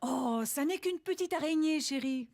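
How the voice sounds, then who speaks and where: A woman's voice: high voice, normal speed, creaky, darkish tone. A woman voicing a caring, soothing young mother in a French-language children's cartoon.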